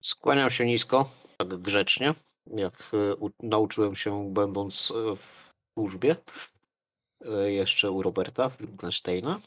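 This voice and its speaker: A man's voice: fairly low pitch, takes it slowly, a bit bright. A man improvising in character as a player in a tabletop role-playing game, polite and a little hesitant. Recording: music under the voice.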